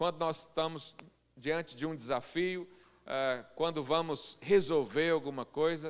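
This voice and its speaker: Speaking at a fairly slow pace, a man uses a fairly high pitch with fairly even intonation. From Brazil, Goiânia. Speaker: pastor. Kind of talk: sermon. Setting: church service.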